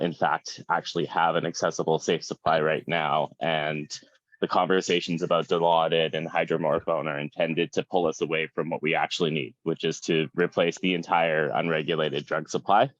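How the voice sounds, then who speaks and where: A man's voice: extremely low pitch, dry recording. A man who works in safe supply and does research on it. He speaks on a group voice chat while on the road and is a bit on the spot. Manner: speaking from the road, slightly caught off guard. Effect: group voice chat audio. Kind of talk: remarks in an online group meeting. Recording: dull, lo-fi voice call audio.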